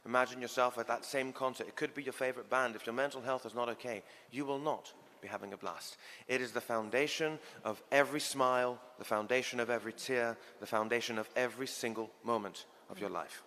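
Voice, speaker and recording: Bright-voiced young man making a confident case. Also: mid-range voice, fairly even intonation, a little fast, hardly any pauses, in a large hall. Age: young adult. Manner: confident and rhetorical. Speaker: panelist. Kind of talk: youth panel discussion.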